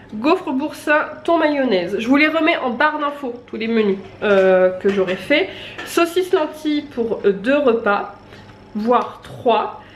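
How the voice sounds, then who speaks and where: Very slowly, a woman speaks in a high voice with very wide pitch swings. Noticeable background noise sits behind her. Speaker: family vlogger. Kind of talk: casual vlog, grocery haul.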